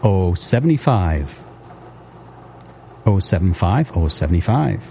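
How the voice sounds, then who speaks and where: A man calling bingo numbers on local radio, repeating each one slowly and steadily. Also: sits low, sing-song, vocal fry, mellow, a little hiss or hum.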